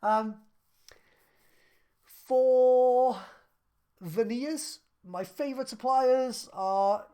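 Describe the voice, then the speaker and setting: Man, 30s, casual live stream host answering questions in a relaxed, rambling way. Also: sits high, normal speed. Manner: laid-back and chatty, lots of fillers. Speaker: craft business live streamer.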